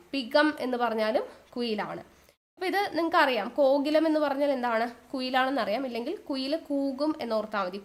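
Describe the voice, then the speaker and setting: Slow-explaining woman teacher, fairly high voice. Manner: explains slowly, asks questions and answers them herself; drags out key words, repeats them. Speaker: exam coaching teacher. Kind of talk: online lesson.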